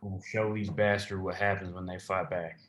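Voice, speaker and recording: A man's voice: low voice, level tone, moderate pace, echoey room, slight background noise, natural voice. A man playing an angry, commanding lawman boss from the 1920s in a screenplay table read. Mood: menacing. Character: angry, menacing, foul-mouthed male lawman boss in 1920s America.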